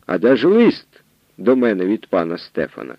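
A man's voice: low voice, huge pitch swings, moderate pace, creaky, breathy edge, no room sound, lo-fi sound, exaggerated voice. A man voicing a wrathful, imperious old male hetman who barks his commands, in an audiobook reading. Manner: barking, wrathful.

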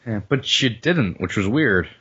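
A male podcast co-host, hoarse and losing his voice after the flu, chatting casually and joking with frequent laughs. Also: lowish voice, animated, a little slow, pushed and bright, muffled recording. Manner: joking, rambling, laughs often. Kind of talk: casual comedic chat.

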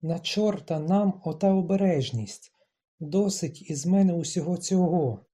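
A stubborn, proud young woman from a read-aloud novel, given voice by the narrator, flinging out clipped, emphatic lines. The tone stays very dark and mellow, with a husky, breathy grain. She sounds set on her own way. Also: medium pitch, unhurried. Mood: angry. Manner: clipped, emphatic, rising to shouts.

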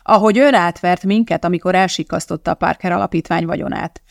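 A cool, cutting official, as the narrator does him delivers his accusations curtly and pointedly. The reading is dry and close, with a gravelly grain. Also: mid-range voice, dry recording, lightly acted.

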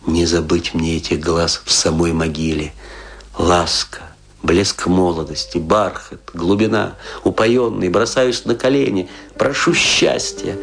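An actor playing a lonely, embittered, hard-drinking stage actor in a radio play, declaiming theatrically and broodingly with a husky voice. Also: male voice, low voice, exaggerated voice. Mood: wistful, tender. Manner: declamatory, brooding, with rhetorical questions and long pauses. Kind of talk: theatrical dramatic monologue, Russian radio play.

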